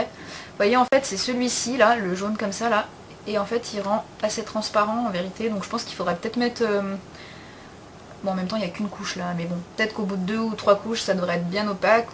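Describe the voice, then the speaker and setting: A young woman chatting casually to her camera in a haul video, with a frank, slangy way of talking and plenty of fillers. Her pitch sits in the middle. There is a faint hiss behind her voice. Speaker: beauty vlogger.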